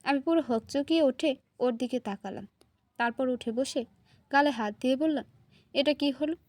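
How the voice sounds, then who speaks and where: Woman storyteller, high-pitched, expressive first-person reading, dry sound. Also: moderate pace, no room sound.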